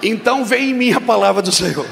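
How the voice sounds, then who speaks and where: A Brazilian pastor preaching a sermon, telling a story with animated acted-out dialogue and breaking into shouted exhortation. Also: male voice, high-pitched, fast, creaky, background noise. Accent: Brazilian Portuguese. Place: large church hall. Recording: live church hall with reverb and faint music.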